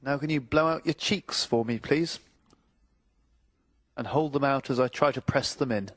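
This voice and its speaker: A man with a mid-pitched voice speaks as a clinician to a patient. He asks politely and simply for each step, with a dry, close sound. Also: moderate pace, dry recording. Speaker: clinician demonstrating an examination.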